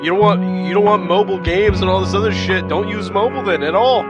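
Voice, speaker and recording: Male stream co-host, high voice, blunt and sweary, casual chat with prominent guitar music. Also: quick pace, muffled recording. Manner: blunt, foul-mouthed. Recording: loud guitar music behind the voice. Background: plucked guitar music.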